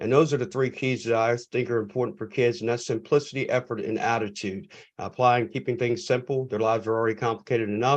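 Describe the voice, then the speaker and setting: A man talks very fast at a medium pitch, his intonation fairly even. His tone is passionate, and the background is quiet. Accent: Southern US. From US South. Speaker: youth leadership coach. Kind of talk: self-introduction.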